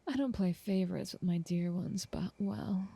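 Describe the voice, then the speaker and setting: A woman playing a doting, possessive noble vampire in an ASMR roleplay, speaking softly and coaxingly in genteel words, often slipping into a whisper, close to the mic. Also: lowish voice, vocal fry, husky. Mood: satisfied, affectionate. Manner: slow, soothing, coaxing, genteel wording. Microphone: close, dry microphone.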